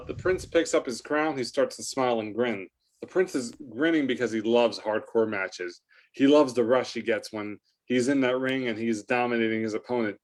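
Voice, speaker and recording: A man serves as narrator in an amateur staged reading. He reads scripted stage directions in a voice of medium pitch.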